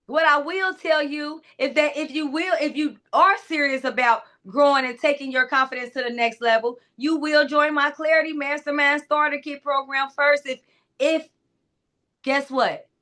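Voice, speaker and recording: In a relaxed but emphatic pep talk sprinkled with asides, a woman who coaches clarity speaks right to her audience. Her natural voice is high in pitch and loud.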